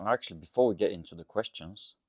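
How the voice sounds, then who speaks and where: A man's voice: on the low side, quick pace, a little mellow, no room sound, clean studio sound. A man from Bulgaria with a Bulgarian accent talks casually and unscripted as a coach, rambling a little and often checking with "okay?". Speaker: coach and host answering audience questions. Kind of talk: casual unscripted talk to camera.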